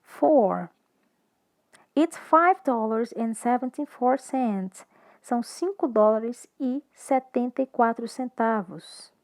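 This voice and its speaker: A woman with a Brazilian Portuguese accent, an English teacher giving a recorded lesson, speaking slowly and clearly as she moves between English and Portuguese. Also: on the high side, lively intonation, a little mellow.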